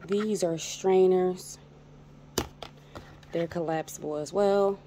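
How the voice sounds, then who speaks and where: A woman's voice: lowish voice, fairly even intonation, takes it slowly. A woman vlogger giving a casual show-and-tell narration, recorded indoors on a handheld phone. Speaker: vlogger, channel host. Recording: noticeable background noise on phone recording.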